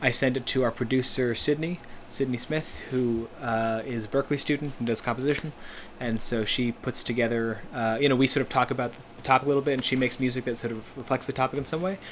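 With an American accent, this voice talks at a very fast pace with fairly even intonation over noticeable background noise. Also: man, medium pitch for a man. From New Jersey, near Princeton. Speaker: high school history teacher and folk punk musician. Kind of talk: casual interview conversation. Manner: halting, many fillers.

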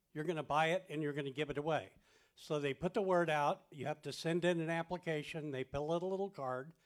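Using an ordinary speaking voice, a man with a fairly high pitch talks at a moderate pace with ordinary pitch variation. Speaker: church member sharing testimony. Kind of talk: testimony. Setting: church service with live stream.

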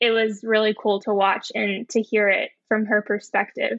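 A woman talks in a normal speaking voice with an American accent. Her pitch is fairly high and her pace fairly slow. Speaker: former camper and camp counselor. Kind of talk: interview.

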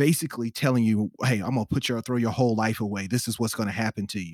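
On a very clean recording with a silent background, a man speaks with a Southern US accent. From US South. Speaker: podcast co-host. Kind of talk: casual chat.

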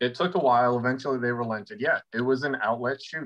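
Here is a man with an American accent and a medium pitch. He has an unremarkable speaking voice and talks at a fairly quick pace. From New York City. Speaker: sneaker collector. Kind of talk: casual chat.

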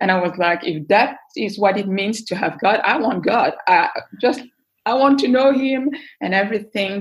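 This woman speaks at medium pitch and a moderate pace. Her voice is somewhat breathy, with ordinary pitch variation. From Belgium (Brussels), Haitian parents. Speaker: campus ministry leader. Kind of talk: interview.

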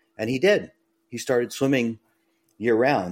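On a very clean recording with a silent background, a man with an American accent has an ordinary speaking voice, medium pitch and ordinary pitch variation. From Massachusetts (Boston area). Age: 30s. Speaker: podcast host, swim coach. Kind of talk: casual interview chat.

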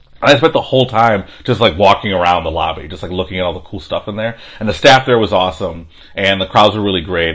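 A man with a Michigan accent talks at a very fast pace in a fairly low pitch. His pitch varies in an ordinary way, while his loudness swings widely. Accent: Midwestern US (Michigan). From Detroit, Michigan. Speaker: stand-up comedian and voiceover artist. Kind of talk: casual chat.

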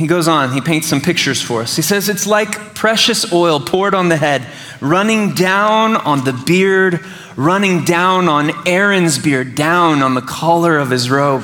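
Over noticeable background noise, a man speaks at a fairly slow pace with a high pitch and ordinary pitch variation. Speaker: preacher. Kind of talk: sermon to a live congregation, Bible teaching with call-and-response amens. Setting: church. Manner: warm, animated and encouraging, conversational with vivid scene-painting; interactive, pausing to invite the crowd to respond.

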